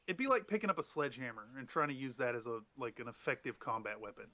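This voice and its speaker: A man's voice: medium pitch, sing-song, fast, bright, forceful tone. A man running a tabletop game as game master, rambling with restarts and fillers.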